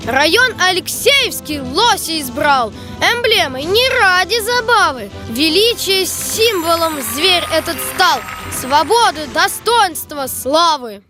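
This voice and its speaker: Very high, slow verse reciter. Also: female voice, expressive, music in the background, exaggerated voice. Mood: solemn, proud. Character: lyrical verse reciter in a children's cartoon. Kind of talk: poetry recitation.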